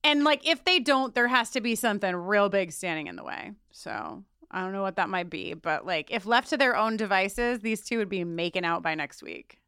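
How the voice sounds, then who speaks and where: A woman's voice: medium pitch, animated, moderate pace, hardly any pauses, a bit bright, clear, resonant tone, no room sound, studio quality. A woman co-hosting a podcast, chatting casually and playfully, often laughing. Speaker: podcast co-host. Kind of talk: casual chat.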